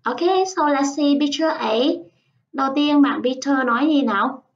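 A woman teaching English in an online lesson, patiently explaining and modelling phrases slowly. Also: high voice. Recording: dull, slightly distant lo-fi sound.

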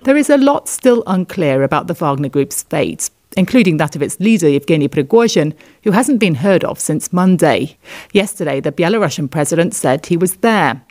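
A woman, a foreign correspondent, delivering a steady, sober news report. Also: lowish voice, normal speed.

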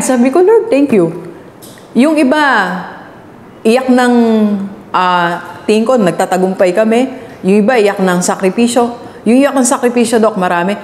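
A woman's voice: medium pitch, roomy sound, in a large hall, a little hiss or hum. A woman with a Filipino accent, a business coach giving a motivational vlog talk and challenging the listener with repeated rhetorical questions. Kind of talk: motivational vlog talk in mixed Tagalog and English.

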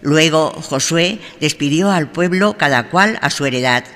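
A man's voice: fairly high pitch, animated, a little slow, a bit bright. Male lector declaiming in a church. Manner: formal, declaiming reading. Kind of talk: liturgical reading and psalm. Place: large church. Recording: church reverb with faint ambience.

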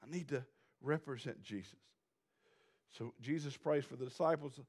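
At normal speed and medium pitch, a middle-aged pastor with a darkish tone addresses a small congregation seated in front of the church stage. His sermon swells in intensity as he paces and gestures widely, landing on emphatic repetitions.

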